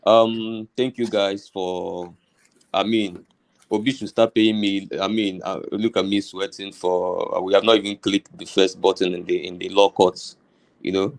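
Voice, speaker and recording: Deep voiced nigerian guy chatting in a group debate, a bit tentative. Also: flat delivery, unhurried, low-quality recording. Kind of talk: casual group discussion.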